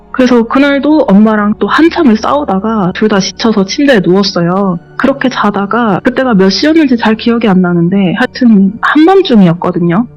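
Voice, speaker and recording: A woman guest telling a true ghost story in soft, conversational speech on a horror radio interview. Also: medium pitch. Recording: dull, muffled radio recording with faint music underneath.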